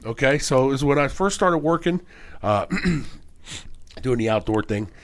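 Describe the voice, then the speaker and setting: A man on a podcast telling a long, animated story, acting out what people said and leaning on "you know what I mean". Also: mid-range voice, a little slow. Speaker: podcast co-host. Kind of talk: casual storytelling chat.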